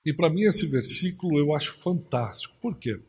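A man's voice: fairly high pitch, expressive, normal speed, husky. A man preaching a sermon as pastor, telling stories and acting out the voices in them.

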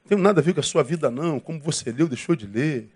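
A male pastor with a Brazilian Portuguese accent, preaching a sermon in a lively way and acting out quoted voices with humor. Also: a little high, fast talker, slightly rough.

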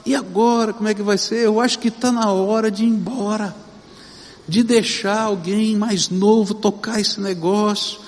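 Middle-aged Brazilian man, high voice, preaching from the pulpit with emphatic, drawn-out stresses, church reverb. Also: fairly even intonation. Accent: Brazilian Portuguese. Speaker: pastor. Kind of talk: sermon. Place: church sanctuary. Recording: long reverb of a large church.

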